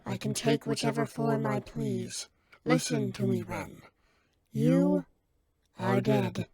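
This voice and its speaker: A woman's voice: medium pitch, steady tone, takes it slowly, a loud crowd, lightly acted. A woman playing an imperious, exasperated God in a comedy skit, solemn in pronouncements but bluntly sarcastic.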